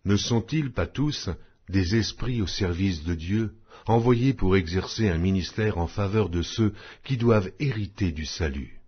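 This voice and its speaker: A man's voice: low-pitched, a little slow, husky. A man reading the Bible aloud as an audiobook narrator, in a solemn, declamatory manner. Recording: dull lo-fi audio.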